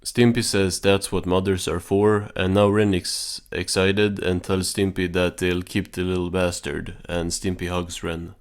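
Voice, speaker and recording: A man with a low-pitched voice hosts a cartoon recap. His delivery is informal and deadpan, like offhand commentary. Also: measured pace, hardly any pauses.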